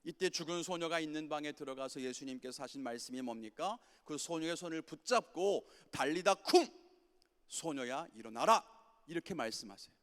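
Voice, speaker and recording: A man preaching a sermon to a youth congregation, impassioned, with swings from loud commands to quiet low lines. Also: brisk, hardly any pauses. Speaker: pastor. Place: church sanctuary. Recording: church sanctuary with long reverb.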